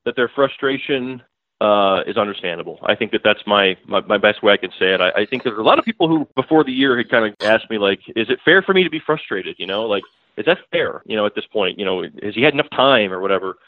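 A man's voice: lowish voice, expressive, fast, dry recording. A man speaks bluntly and keeps hammering his point, his voice thin and boxed in as if over a phone line. The sound is dry and close, with no room around it. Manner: emphatic, blunt, repeats points. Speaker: newspaper beat writer, guest. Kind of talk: casual podcast interview.

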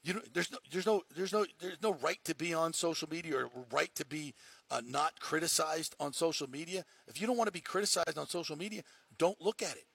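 A sports talk host with a gravelly, husky voice rants with heat and emphasis. He talks casually and mocks the people he quotes. The sound is dry and close on the mic. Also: on the high side, fairly quick, a bit bright, no room sound. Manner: heated, emphatic ranting with mocking quoted voices.

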